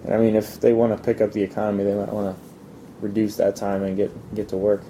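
Dark-voiced, even-toned man in conversation. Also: fast talker, rough recording. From Italy. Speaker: interviewee. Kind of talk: casual conversational interview answers. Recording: low rumbling background noise.

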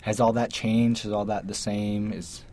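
A man's voice: fairly low pitch, little pitch movement, normal speed, a little mellow. A man hosting an interview in a casual, informal way, feeling his way through questions. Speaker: interview host.

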